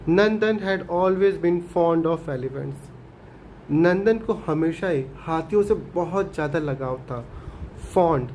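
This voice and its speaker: Male teacher, high voice, explains an English story in Hindi, asks and answers his own questions, faint noise behind. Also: darkish tone, rough recording. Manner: reads English lines slowly, then explains them.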